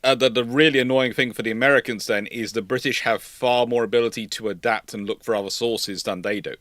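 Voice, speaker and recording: Recorded in clean studio sound with no echo, a man hosts a naval history livestream in a medium-pitched, steady, fairly bright voice at a quick pace. His analytical yet casual discussion is discursive, full of repeated and reworded phrases.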